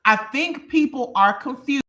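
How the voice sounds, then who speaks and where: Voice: sits high, unhurried, bright, forceful tone. A congested, sniffling reaction channel host giving emphatic commentary on a case, repeating points and explaining to viewers. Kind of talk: commentary on a true crime case.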